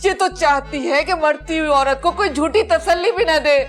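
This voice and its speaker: A woman's voice: sits high, moderate pace, faint music behind, natural voice. An actress playing an older, melodramatic mother-in-law who wails and complains about her health. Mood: wailing. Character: older mother-in-law, dramatic, fussy hypochondriac.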